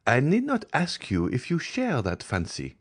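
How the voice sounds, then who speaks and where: A man voicing a polite, formal society lady who speaks with courtesy and quiet authority, in a reading of a classic novel. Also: medium pitch, huge pitch swings, moderate pace, pitched above the performer's own voice. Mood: cool.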